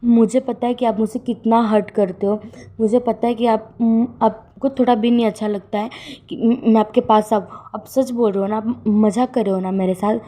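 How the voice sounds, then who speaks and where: A woman's voice: on the high side, steady tone, normal speed, dark tone, lightly acted. Stammering flustered young man, voiced by a woman. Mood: hurt, doubtful. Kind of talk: storytelling fan fiction.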